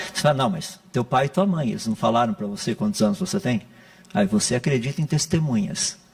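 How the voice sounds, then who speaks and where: A man with a fairly high pitch talks at a moderate pace, his pitch swinging very widely. Noticeable background noise is present. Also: long, frequent pauses. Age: 60s. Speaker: physicist and creationist lecturer. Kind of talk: lecture. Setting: church.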